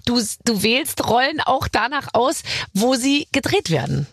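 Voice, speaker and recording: A woman hosting a podcast, chatting casually with a guest in a joking way, full of quick asides. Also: fairly high pitch, sing-song, a little hiss or hum. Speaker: podcast host.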